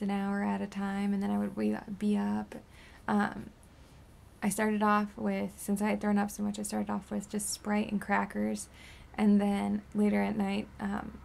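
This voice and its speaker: Brief: worn-out twenties woman, heavy vocal fry, raspy sore throat, rambling vlog update. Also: medium pitch. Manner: rambling, drifting into soft whispers. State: tired and sore after surgery. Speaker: beauty vlogger. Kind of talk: casual post-surgery update vlog.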